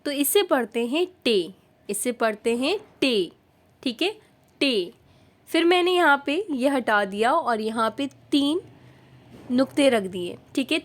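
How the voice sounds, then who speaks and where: A woman teaching a beginner Urdu lesson over an on-screen chart, patiently repeating each point and checking in often. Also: high voice.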